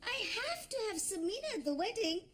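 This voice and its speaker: An actress playing a sharp-tongued middle-aged mother and wife in a sitcom, speaking in a dry, teasing way. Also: very high-pitched, very animated, fairly quick, over a noisy crowd. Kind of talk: sitcom acting.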